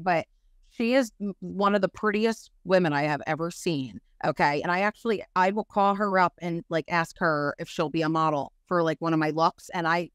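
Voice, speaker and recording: A woman makeup artist, a guest on a podcast, talking in an animated, chatty way full of fillers. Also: fairly low pitch, clean tone, no echo. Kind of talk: casual chat.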